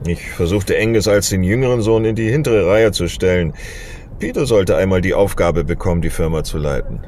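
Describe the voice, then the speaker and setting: A man's voice: deep voice, a little fast, a little mellow, slight background noise. A man acting a stubborn, regretful old father in a German audio drama, speaking in a weary, grave, emphatic way. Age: older.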